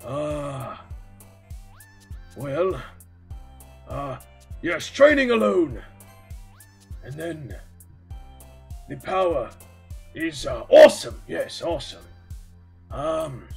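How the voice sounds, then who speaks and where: A man speaks very slowly in a put-on character voice. Clear music plays in the background. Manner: boastful, loud, maniacal laughter.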